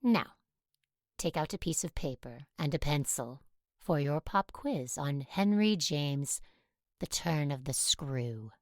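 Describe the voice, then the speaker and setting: A woman playing a stern, controlling Catholic nun who teaches, speaking in a measured, formal way in an audio drama. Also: deep voice, animated, dry recording, studio quality. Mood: stern, disapproving.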